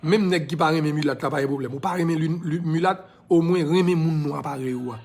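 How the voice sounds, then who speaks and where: At a moderate pace, a man with a Haitian accent speaks passionately and preachily to his followers during a casual live video. His voice is slightly mellow and pitched a bit above most men's, with English phrases mixed in at times.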